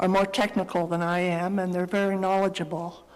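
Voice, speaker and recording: A woman is speaking, and the room has an audible echo. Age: 80s+. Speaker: resident speaking to council. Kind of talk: council delegation, personal testimony. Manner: halting.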